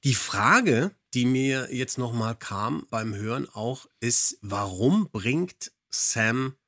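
A man's voice: medium pitch, lively intonation, slow, bright, forceful tone, no room sound, studio quality. A man co-hosting a podcast, asking questions and moderating in casual chat. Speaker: podcast co-host.

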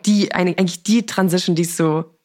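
A woman's voice: fairly low pitch, fairly even intonation, brisk, darkish tone. A woman chatting casually as a podcast co-host. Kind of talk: casual chat.

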